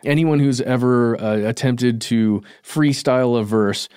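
A man's voice: mid-range voice, unhurried, darkish tone, clean tone, dry recording, clean studio sound. A man co-hosting a podcast, talking things through in a casual, thoughtful way and qualifying his points. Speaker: podcast co-host. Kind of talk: casual discussion.

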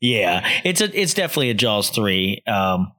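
A man's voice: fairly low pitch, big pitch swings, moderate pace, pushed and bright. A man hosting a casual film-review podcast, talking loosely with many "likes" and restarts. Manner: loose and rambling, lots of fillers and likes. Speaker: podcast host reviewing films. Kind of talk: casual chat.

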